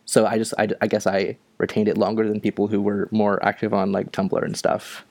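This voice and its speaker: A young man from Ontario co-hosting a podcast, chatting casually in a halting way with many fillers. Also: fairly low pitch, little pitch movement, vocal fry, a little mellow, no echo. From Ontario, Canada. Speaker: podcast co-host. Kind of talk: casual chat.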